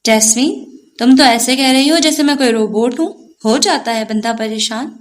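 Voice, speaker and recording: A woman voicing a touchy young woman who snaps quickly, in a sharp tone. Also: a little high, natural voice. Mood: annoyed.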